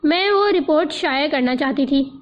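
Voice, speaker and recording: A woman's voice: sits high, close to an everyday voice. A woman reading the lines of a headstrong young married woman, pointed and insistent. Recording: dull lo-fi audio.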